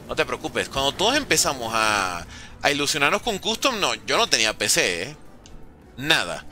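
Animated Venezuelan man streaming games. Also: on the high side, slight background noise. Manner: lively, banters with chat, talks fast in bursts. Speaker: gaming streamer. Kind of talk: live gameplay commentary reading chat.

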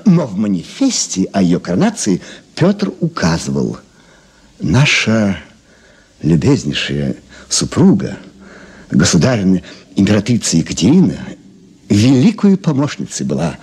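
An actor playing an erudite jewellery expert in a radio drama, lecturing in a pedantic, expressive manner. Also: male voice, lowish voice, slightly rough, exaggerated voice. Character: Pyotr Petrovich, erudite male jewellery expert, lecturing with relish. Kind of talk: Soviet-era radio drama monologue.

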